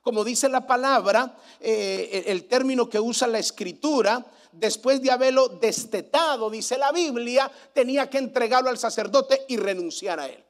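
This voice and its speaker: Man, pastor, very high voice, emphatic sermon, repeats phrases, rhetorical questions. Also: moderate pace, few pauses. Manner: asks the congregation rhetorical questions.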